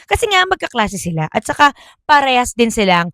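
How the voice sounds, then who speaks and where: A woman tells a campus ghost story in a chatty, rambling way, restarting her sentences as she goes. Her voice sits fairly high and swings widely in pitch. The recording is close and dry. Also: very animated, fairly quick, a bit bright, no room sound. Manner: chatty, self-correcting, Taglish. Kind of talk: casual horror storytelling.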